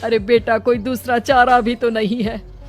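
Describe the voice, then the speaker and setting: A woman voicing an anxious elderly mother-in-law from a village cartoon speaks slowly and pleadingly. Her voice sits a little high and unhurried. Soft music plays beneath her. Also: fairly even intonation, close to an everyday voice. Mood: worried. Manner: slow, pleading, fretful. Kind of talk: cartoon voice acting.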